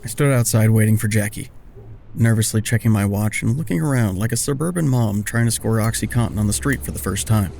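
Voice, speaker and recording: An actor playing a wry, awkward man who narrates his own story in an audio drama with self-deprecating, deadpan, wordy humor. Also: on the low side, brisk, creaky, a little hiss or hum. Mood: wry narrating. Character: wry, awkward smoker man narrating a reunion with old friend. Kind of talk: first-person scripted narration and dialogue in audio drama.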